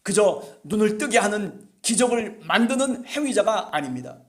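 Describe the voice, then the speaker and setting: A male pastor delivering an impassioned sermon at a church service, urging his listeners and rising at times to shouts. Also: high-pitched, very animated, normal speed.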